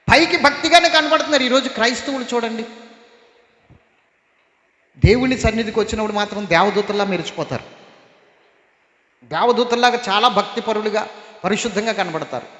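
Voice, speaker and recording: High bright-voiced preaching man. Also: echoey room, long reverb tail, muffled recording. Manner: emphatic preaching with repeated calls for praise. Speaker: pastor. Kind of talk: sermon.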